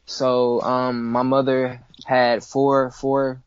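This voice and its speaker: Man in his twenties, relaxed slangy talk, dry room, dull sound. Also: mid-range voice, drawn-out words, clear, resonant tone, no echo. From Cleveland, Ohio. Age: 20s. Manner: laid-back, slangy, repeats himself. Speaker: guest rapper. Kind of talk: casual interview chat.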